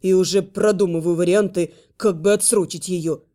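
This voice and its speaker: A woman voicing gloomy, fretful young male dragons in a lowered, brooding voice. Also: fairly even intonation, normal speed, warm tone, close to an everyday voice. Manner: low brooding put-on male voice.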